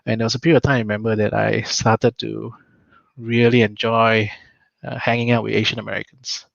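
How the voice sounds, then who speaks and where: A young man, thoughtfully sharing his experience in a casual discussion, often pausing on "uh". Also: lowish voice, flat delivery, vocal fry, a bit bright, dry recording. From Malaysia. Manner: thoughtful, frequent "uh" hesitations. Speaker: panel guest. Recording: dull lo-fi dry sound.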